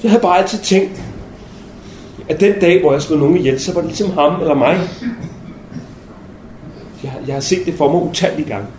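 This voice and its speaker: A man's voice: fairly high pitch, long pauses, darkish tone, lightly acted. A young man acting a brash, shaken male soldier in a theatrical monologue, coarse and restless, in a roomy space with faint noise. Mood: agitated.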